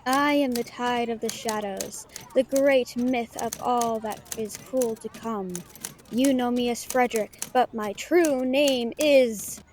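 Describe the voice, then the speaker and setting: A woman voicing a smug, menacing ancient male fantasy villain with slow, theatrical proclamations, as a writer reading out her story. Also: fairly high pitch, darkish tone, a little hiss or hum. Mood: grandiose. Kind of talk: novelist acting out dialogue of a fantasy story.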